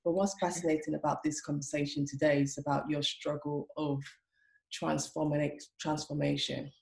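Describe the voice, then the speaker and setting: A woman from Africa hosting an interview show, speaking earnestly and slowing down to stress her points. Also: deep voice, level tone, vocal fry, darkish tone, roomy sound, poor audio. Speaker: host. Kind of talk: conversational interview.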